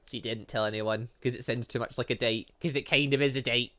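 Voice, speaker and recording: A man's voice: mid-range voice, fairly even intonation, brisk, pushed and bright. A man hosting a gaming video, reading a visual novel aloud with casual joking asides and occasional stumbles over the words.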